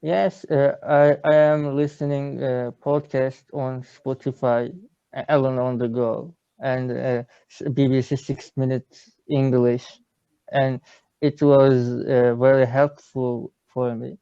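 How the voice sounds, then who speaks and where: Slow, hesitant man with a Turkish accent. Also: mid-range voice, little pitch movement, creaky, warm tone, clean tone, no room sound, dull audio. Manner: hesitant, searching for words, many uhs. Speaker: English learner. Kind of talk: casual video-call lesson chat. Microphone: video call.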